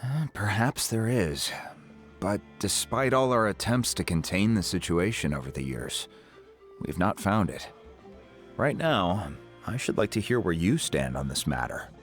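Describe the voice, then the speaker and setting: A middle-aged tribal chief in a fantasy video game. The voice is very deep, with formal, earnest, dignified delivery. Soft music sits underneath. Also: male voice, lively intonation, a little slow. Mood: solemn, earnest. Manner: formal, courteous, solemn.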